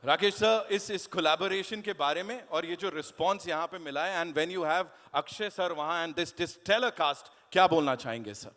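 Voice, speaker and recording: A man's voice: fairly high pitch, normal speed, hardly any pauses, sharp tone. A man hosting a launch event, hyping the crowd energetically in Hindi and English. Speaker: event host. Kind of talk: emcee hyping a live crowd. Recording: reverberant hall with music.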